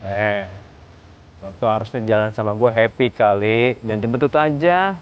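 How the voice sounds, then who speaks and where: A man's voice: fairly low pitch, moderate pace, dull audio, slight background noise, natural voice. An actor as a polite young office man. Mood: joking. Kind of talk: TV film acting.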